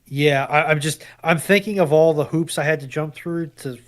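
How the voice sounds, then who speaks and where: A man's voice: fairly high pitch, normal speed. A man on a discussion panel, chatting casually and somewhat hesitantly as he thinks aloud. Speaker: panel guest.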